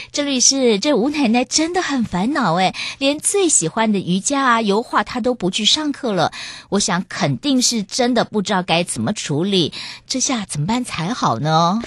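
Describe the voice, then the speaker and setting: A woman radio host, narrating a scripted story in an expressive way. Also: medium pitch, no echo.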